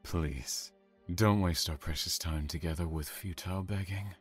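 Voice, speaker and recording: A man playing a calm, taunting, self-satisfied serial killer in an audio drama, savoring his words with theatrical menace. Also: low voice, a little slow, slightly rough, no echo, faint music behind.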